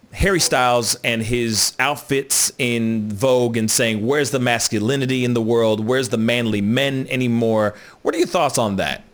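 A man's voice: mid-range voice, fairly bright tone. A man with a mid-range voice hosts a casual conversation. He is easygoing and often adds filler phrases while he talks. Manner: laid-back, repeats "you know what I'm saying". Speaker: host.

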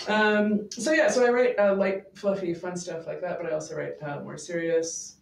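A man's voice: high voice, fairly even intonation, moderate pace, gravelly. Easygoing Canadian man, heard from afar. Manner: easygoing, laughs often, many uhs. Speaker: author and guest. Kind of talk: interview answers. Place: small office before a live audience. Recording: roomy, distant mic, faint noise.

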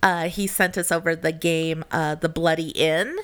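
A woman's voice: low voice, fairly even intonation, normal speed, a bit bright, clean tone. A woman co-hosting a podcast, chatting casually and laughing often. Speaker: podcast co-host. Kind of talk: casual chat.

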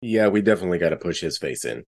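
A man playing a tabletop role-playing game, improvising narration and banter in a halting, jokey way. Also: low voice, lively intonation, creaky, a little mellow.

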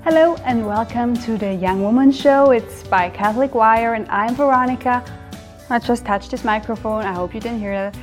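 A woman's voice: a little high, moderate pace, faint music behind. Chatty young Austrian woman host. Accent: Austrian German. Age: young adult. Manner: chatty and self-correcting, with hesitations and restarts. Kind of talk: casual unscripted talk show.

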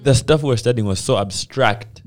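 A man's voice: medium pitch, moderate pace. A young man co-hosting a podcast, talking candidly and asking questions in a loose, slangy way. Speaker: podcast co-host. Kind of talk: casual podcast interview.

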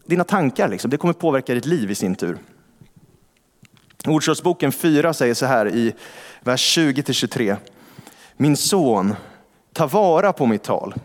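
A male pastor giving a sermon in a church, with a conversational style, asking rhetorical questions and reading scripture slowly. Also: mid-range voice. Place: large church hall. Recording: long church reverb.

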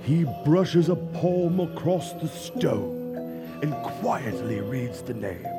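An actor narrating a ghostly tale in a live radio play, dramatic, deliberate and ominous. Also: male voice, on the high side, animated, loud music behind the voice. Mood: hushed dread. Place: theatre stage, live before an audience.

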